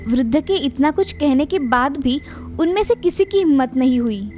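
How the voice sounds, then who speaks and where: Female storyteller, high voice, dramatic scripted narration over soft music. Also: animated, normal speed.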